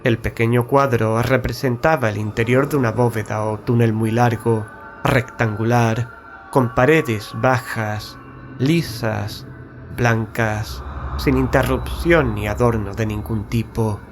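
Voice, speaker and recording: A man narrating a literary horror story in a measured, solemn, carefully enunciated dramatic style. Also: mid-range voice, fairly even intonation. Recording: background music under studio narration. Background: music.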